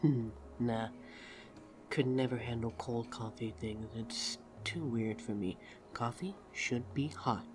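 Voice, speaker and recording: Woman acting a slow, shyly flustered date. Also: extremely low pitch, noisy background. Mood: relaxed, friendly. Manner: awkward, hesitant, halting delivery. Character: shy, flustered, affectionate woman on a romantic date. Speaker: audio roleplay voice actor. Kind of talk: intimate ASMR roleplay acting.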